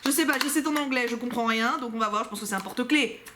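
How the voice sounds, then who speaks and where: A woman's voice: fairly high pitch, background noise. Giggly, chatty young French woman. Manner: chatty and giggly, quick asides and restarts. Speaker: YouTuber unboxing a subscription box. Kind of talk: casual unboxing chat to viewers.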